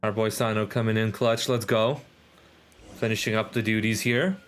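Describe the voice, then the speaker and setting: A man's voice: lowish voice, steady tone, normal speed. A man giving casual, slangy live-stream commentary on a video game, with muttered asides. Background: game music.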